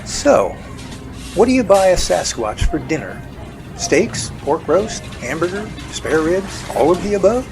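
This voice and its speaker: A man's voice: high-pitched, very animated, unhurried, gravelly, over music, full character voice. A man playing a weary, folksy professor who runs a Bigfoot lab, in an amateur audio drama with an easygoing delivery. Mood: conversational.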